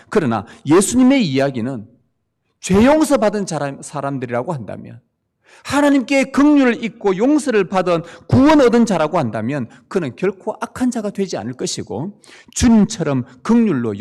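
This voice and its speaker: A man's voice: on the high side, darkish tone. A male pastor giving a sermon, speaking emphatically and putting rhetorical questions to the congregation, in a church sanctuary.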